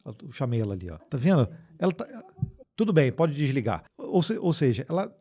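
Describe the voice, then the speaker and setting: A man with a Brazilian Portuguese accent co-hosting a tech news show, reading viewer comments and chatting in a relaxed, rambling way. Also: medium pitch, a little fast. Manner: relaxed and chatty, with frequent fillers and restarts. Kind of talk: casual chat, reading viewer comments aloud.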